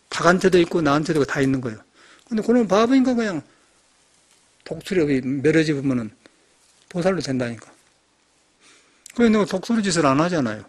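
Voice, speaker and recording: An older Buddhist monk gives a sermon in a temple hall. His voice sits high and swings widely. He tells stories with animated energy. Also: slightly rough. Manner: animated storytelling, acting out shouted quotes. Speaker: Buddhist monk giving a dharma talk.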